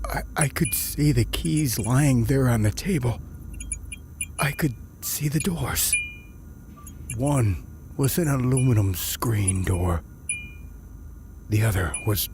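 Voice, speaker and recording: A man playing a weary, unnerved survivor telling his horror story in the first person, subdued and deliberate. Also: mid-range voice, noisy background, close to an everyday voice. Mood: subdued unease.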